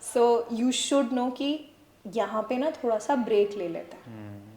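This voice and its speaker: Fairly high for a woman, her voice has an upbeat tone and ordinary pitch variation. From Udaipur, Rajasthan, India. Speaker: radio jockey. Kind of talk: podcast interview answer, casual conversational talk. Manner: upbeat, expressive, mixing Hindi and English.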